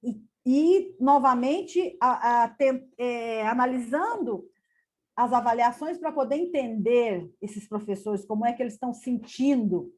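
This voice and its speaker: A woman giving an academic lecture over a video call, halting and repeating words often as she explains. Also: on the high side, darkish tone. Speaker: conference lecturer.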